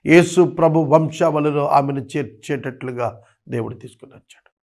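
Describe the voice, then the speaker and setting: A man preaching a sermon in a pleading, rhythmic style, repeating phrases and dropping into slow, emphatic English lines with a Telugu accent. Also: fairly high pitch, a little mellow. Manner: pleading, rising and falling emphasis.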